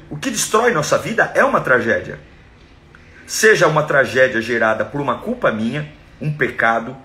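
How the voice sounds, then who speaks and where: Bright, high-voiced Brazilian preacher. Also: male voice. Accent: Brazilian Portuguese. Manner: emphatic, acts out quoted cries dramatically. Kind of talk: sermon.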